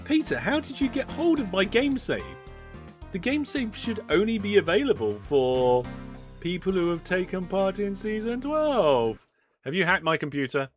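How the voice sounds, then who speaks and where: Over background music, a man with a high-pitched, very animated voice provides live gameplay commentary at a normal speed. As host of the stream, he chats while playing, reads out messages from viewers, and responds to them with pretend alarm.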